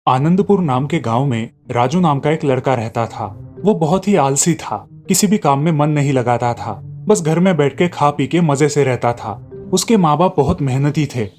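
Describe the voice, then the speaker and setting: A man doing scripted cartoon storybook narration in a steady, clear way. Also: mid-range voice.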